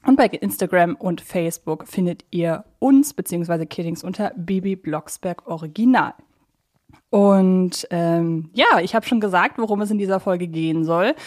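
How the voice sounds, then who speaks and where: A woman's voice: on the low side, normal speed, a little mellow. A young adult woman with a German accent hosting a casual podcast, explaining things in wordy, self-correcting loops. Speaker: podcast host.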